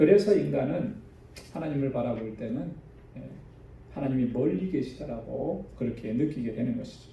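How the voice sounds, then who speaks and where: This man's voice carries audible room echo. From South Korea. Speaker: pastor. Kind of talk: sermon. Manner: conversational, asks rhetorical questions.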